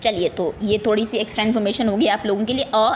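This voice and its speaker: A woman's voice: medium pitch, steady tone, very fast, a little hiss or hum. A woman teaching English grammar to children online, speaking with an Indian accent, mixing Hindi and English, explaining patiently and asking her pupils questions.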